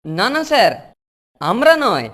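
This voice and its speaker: An actor voicing an eager, food-loving schoolboy in a cartoon, expressive and easily flustered. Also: medium pitch, unhurried, a little hiss or hum. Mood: indignant, flustered. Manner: animated, expressive, boyish. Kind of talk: cartoon voice acting. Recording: loud music bed behind voice.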